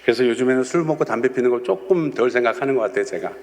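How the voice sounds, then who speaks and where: A man's voice: mid-range voice, expressive, rapid-fire, darkish tone. A male youth pastor giving a conversational sermon, telling stories with frequent affirming asides. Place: church sanctuary. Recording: long church-hall reverb.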